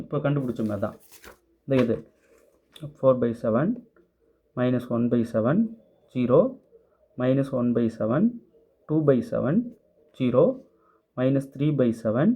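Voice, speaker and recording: A man in the middle of a maths lesson, leading students through a solution one careful step at a time. His voice is mellow and relaxed, with an ordinary middle pitch. He explains patiently and drops English technical terms into his talk. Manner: methodical, step-by-step, mixes English terms into Tamil; answers students' doubts in a patient tone. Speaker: maths teacher. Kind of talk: explaining worked problems in class.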